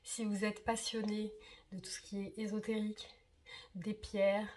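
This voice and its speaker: A woman in her thirties, slightly hoarse from a cold, chatting to her viewers as a card reader, hesitant with many fillers and repeated words. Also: mid-range voice, level tone, measured pace, darkish tone. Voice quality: husky. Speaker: tarot reader and channel host. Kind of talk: casual direct-to-camera chat.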